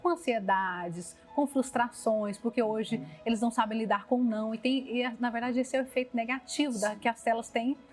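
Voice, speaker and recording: A woman's voice: a little high, a little fast, hardly any pauses. A woman with a Brazilian accent answering in an interview, explaining as she goes and often rephrasing. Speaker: theatre company producer. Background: music.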